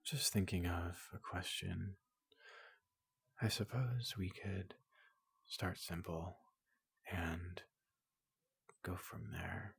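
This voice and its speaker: A man playing a big, gentle robot doctor in a soothing ASMR roleplay, speaking in a hushed, breathy half-whisper with a polite, reassuring manner. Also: sits low, fairly even intonation, dry recording, heavily acted. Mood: gentle, inquisitive. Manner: slow, gentle, reassuring, repeats questions softly.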